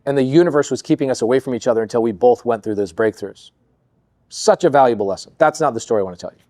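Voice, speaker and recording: A man telling stories as a guest on a podcast, lively and acting out quoted lines in other voices. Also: mid-range voice, fast talker, no room sound, studio quality. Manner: animated storyteller, acts out quoted voices. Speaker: podcast guest, real estate investor. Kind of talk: storytelling interview chat.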